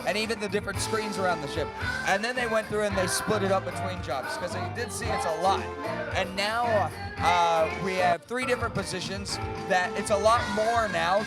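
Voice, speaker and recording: A man's voice: high-pitched, poor audio. An upbeat man working as a cruise director, talking casually and animatedly in a live interview. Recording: loud music behind the voice. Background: loud music.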